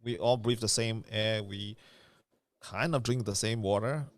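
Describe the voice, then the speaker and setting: A man's voice: on the low side, steady tone, measured pace. A man hosting an online speech event over a video call, chatty and full of fillers. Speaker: event host.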